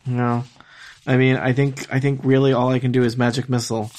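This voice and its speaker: A man playing a tabletop game, hesitant and halting as he works out what to do. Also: mid-range voice, little pitch movement, a little mellow. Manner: hesitant, lots of uhs and restarts. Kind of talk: casual tabletop game chat.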